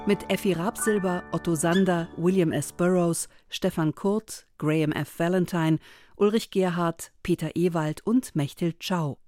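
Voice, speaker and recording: A woman's voice: fairly low pitch, steady tone, measured pace, darkish tone, dry recording. A woman reading scripted radio credits as an announcer in a studio. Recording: dry studio, faint music behind.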